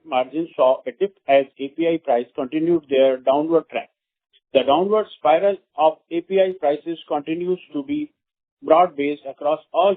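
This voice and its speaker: A man with an Indian accent formally reads prepared company remarks on a conference call, stumbling now and then. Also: on the high side. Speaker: company executive. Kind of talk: scripted earnings call presentation. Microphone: phone conference call. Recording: narrow, tinny phone conference line.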